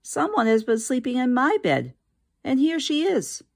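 A woman voicing a little girl bear cub in a high, squeaky voice, reading a storybook aloud. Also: huge pitch swings, moderate pace, creaky, heavily acted.

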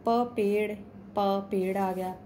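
A woman's voice: mid-range voice, steady tone, slow pace, warm tone, slight background noise. A woman teacher patiently explaining a school lesson to young children, often asking them questions and repeating herself. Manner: patient, repeats "ठीक है" and asks the class questions.

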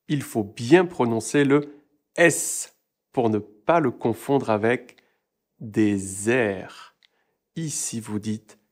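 Un professeur de français qui donne une leçon de prononciation, en articulant chaque mot avec beaucoup de soin pour ses élèves. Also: male voice, mid-range voice, a little mellow. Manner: slow, deliberate, over-articulates words for learners. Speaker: French teacher. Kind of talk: pronunciation lesson.

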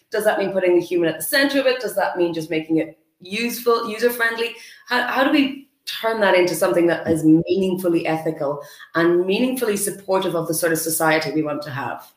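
A young woman, a tech reporter, asking probing questions on a video call in a conversational way. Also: lowish voice. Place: home room. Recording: roomy video-call audio.

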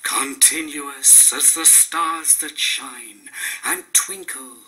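Very slow, bright-edged man reciting poetry. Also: fairly high pitch, poor audio.

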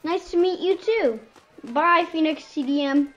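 A friendly young pony child from an amateur cartoon, acted by a woman. The voice is high, polite and childlike, with a dull, lo-fi sound. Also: a little slow.

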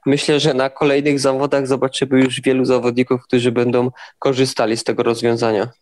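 A young man answering interview questions in an even, steady way, now and then restarting words. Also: medium pitch, fairly quick. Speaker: interviewed athlete.

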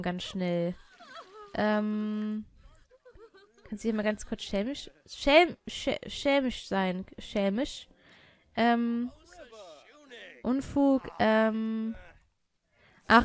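A young woman doing casual gameplay commentary, chatting and bossing her game characters around with quick exclamations. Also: fairly high pitch. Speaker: let's player.

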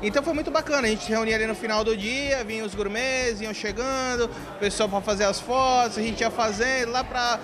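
A man with a Brazilian Portuguese accent, a sponsor guest explaining things in a relaxed way at a party. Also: very high voice, brisk, hardly any pauses, over music, a crowd in the background. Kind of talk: casual interview answers.

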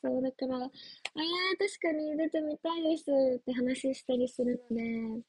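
A young idol trainee with a high, mellow voice chats casually on a livestream at normal speed. She's giggly and playful while answering viewer comments.

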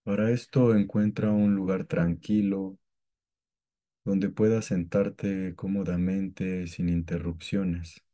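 A man guiding a meditation with calm, gentle, scripted instructions and long pauses between phrases. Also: deep voice. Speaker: meditation guide.

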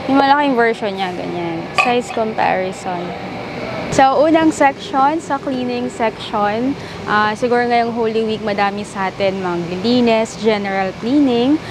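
A woman's voice: fairly high pitch, a little slow. A young woman casually narrating a shopping vlog, chatting and reading out product names and prices, filmed on a handheld camera at arm's length in a large supermarket. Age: young adult. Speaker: vlogger. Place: large air-conditioned supermarket. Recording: noisy store ambience.

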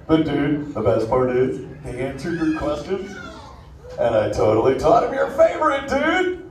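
A man's voice: on the high side, sing-song, normal speed. Guy doing a chill surfer dude sea turtle, totally stoked, echoey far-off mic with background noise. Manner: surfer-dude drawl, says dude and man constantly. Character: laid-back male surfer sea turtle, 150 years old. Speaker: live show performer talking with an audience. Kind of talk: live interactive theme show. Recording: roomy, distant mic, ambient noise.

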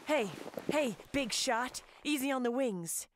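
A woman's voice: high voice, expressive, slow, heavy background noise. A woman voicing a bossy, exasperated griffin leader in a comic dub, curt and scolding. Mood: tense. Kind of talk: amateur animated comic dub acting. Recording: music behind the voice. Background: music.

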